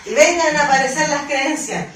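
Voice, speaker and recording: A woman's voice: high-pitched, moderate pace, a bit bright. A woman giving a conversational motivational talk, often checking in with the audience and acting out inner voices. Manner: acts out quoted inner voices and dialogues. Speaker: speaker giving a talk on limiting beliefs. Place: conference hall. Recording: roomy hall from a distant mic, faint noise.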